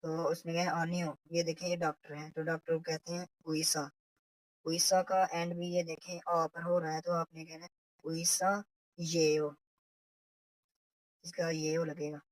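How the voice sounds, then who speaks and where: A woman's voice: sits low, little pitch movement, a little slow, no echo, rough recording. A woman, teaching a recorded language lesson from a textbook. She explains step by step and repeats the example phrases.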